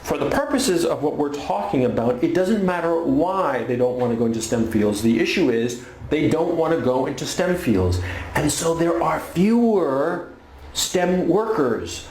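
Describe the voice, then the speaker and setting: A man's voice: fairly high pitch, sing-song, unhurried, a little mellow, roomy sound, a little hiss or hum. A man from Chile delivering a blunt, sarcastic opinion monologue with coarse language. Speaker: political commentator.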